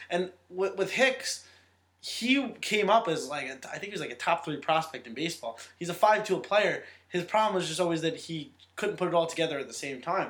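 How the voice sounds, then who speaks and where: A high-pitched male voice with lively intonation, against noticeable background noise. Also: fairly quick pace. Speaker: co-host sports fan. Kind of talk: casual sports banter.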